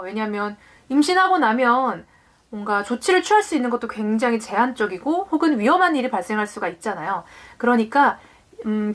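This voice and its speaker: A young woman in her late twenties explains things to her viewers in a friendly vlog. Her voice sits high and moves a lot, rising and falling as she walks through each point. She often asks a question and then answers it herself. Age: late 20s. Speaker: parenting vlogger.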